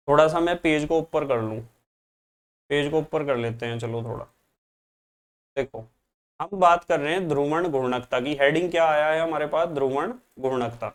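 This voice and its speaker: A man's voice: fairly high pitch, moderate pace, long pauses, smooth. A man teaching a chemistry lesson, patiently repeating each key term for his students. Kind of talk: classroom lecture.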